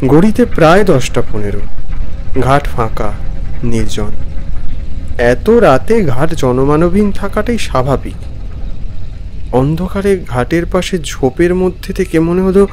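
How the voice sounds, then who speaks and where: A man acts a weary male traveller telling a horror tale in the first person. His voice is fairly high and swings expressively, over soft background music. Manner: expressive storytelling. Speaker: narrator and main character.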